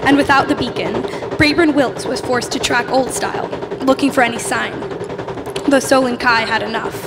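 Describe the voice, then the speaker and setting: A teenage girl narrating a radio play as a deliberate storyteller, recorded live on stage. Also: a little high, steady tone, vocal fry, loud music behind the voice.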